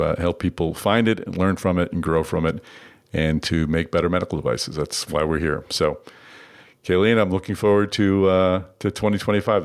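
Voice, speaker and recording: Male podcast host, very low gravelly voice, loose rambling delivery with frequent restarts. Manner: rambling, restarts often with filler words. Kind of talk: conversational podcast interview.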